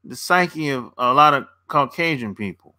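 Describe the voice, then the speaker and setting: Laid-back man with a bright, lively voice. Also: mid-range voice, moderate pace. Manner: laid-back and slangy, laughs often between remarks. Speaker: dating coach and channel host. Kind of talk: casual livestream chat answering viewer comments.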